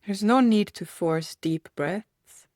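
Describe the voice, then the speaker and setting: A woman's voice: mid-range voice, no echo. Woman guiding meditation, close dry sound. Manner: gentle, unhurried phrasing with soft invitations and reflective pauses. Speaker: meditation guide. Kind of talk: guided meditation, gentle instruction.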